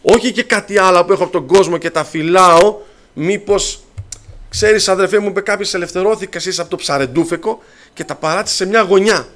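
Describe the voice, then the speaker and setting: A man's voice: high-pitched, a bit bright. A man preaching a sermon, telling stories and addressing his listeners as brothers.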